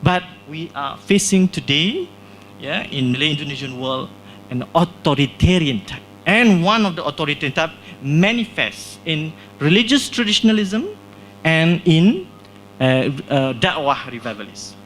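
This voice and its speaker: A man from Singapore talks about his book at a launch event in a small hall. His voice sits a little high, and he reasons aloud with many tag questions and restarts. A faint hum runs underneath. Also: sing-song, moderate pace, a bit bright. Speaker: author presenting his book.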